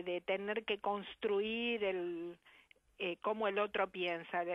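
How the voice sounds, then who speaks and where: A woman with an Argentine Spanish accent, a sign language interpreter answering a radio interview in a measured, reflective way over the phone. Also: mid-range voice, no room sound. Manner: measured, reflective, careful diction. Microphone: telephone. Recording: muffled phone line.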